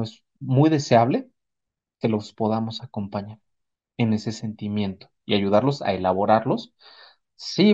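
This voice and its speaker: The lo-fi recording captures a fairly low, slightly mellow male voice with a Mexican accent. He is a psychotherapist explaining things didactically, acting out examples and often pausing for short rhetorical questions.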